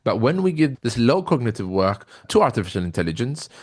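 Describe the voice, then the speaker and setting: A man's voice: mid-range voice, very animated, brisk, darkish tone. A man speaking as an interview guest, explaining his ideas and stories earnestly and often checking in with a short tag question. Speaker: interview guest, tech company founder. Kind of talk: conversational interview, explaining and storytelling.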